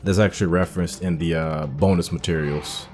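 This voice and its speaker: Deep-voiced man musing over gameplay. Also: fairly even intonation, fairly quick, a little mellow, soft background music. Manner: musing, thinking aloud while playing. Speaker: gaming channel host. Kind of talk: casual let's-play commentary.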